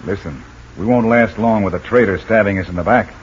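A man playing a tough, brisk American jungle adventurer in old-time radio drama style. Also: fairly low pitch, natural voice. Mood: determined. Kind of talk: 1940s radio acting. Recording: dull old radio recording, faint hiss.

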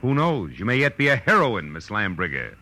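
A very low male voice plays a hard-boiled 1940s radio detective. He is tired, brusque and quick with a wisecrack. Music plays in the old broadcast. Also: huge pitch swings, sharp tone, full character voice. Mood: weary, sardonic. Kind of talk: 1940s radio drama acting and first-person narration.

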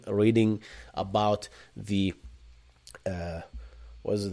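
A man's voice: fairly low pitch, darkish tone. A man from Bahrain with an Arabic accent, hosting a live Q&A and answering chat questions in a casual, thinking-aloud way. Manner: casual, thinks aloud with restarts and rhetorical "right?". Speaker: host.

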